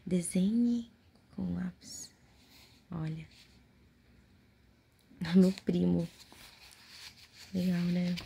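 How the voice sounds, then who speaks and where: A Brazilian woman doing casual ASMR in a hushed low voice right in your ear, often slipping into a whisper as she reads aloud and comments offhand. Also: flat delivery, drawn-out words, vocal fry, long pauses, slightly rough. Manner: murmured reading aloud mixed with offhand remarks. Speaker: ASMR video host. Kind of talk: soft-spoken and whispered ASMR, casual chat. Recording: noisy close home recording, handling clicks.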